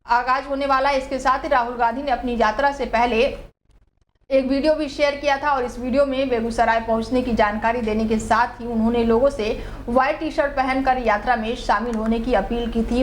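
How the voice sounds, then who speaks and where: Female news anchor, fairly high voice, brisk bulletin read over faint noise.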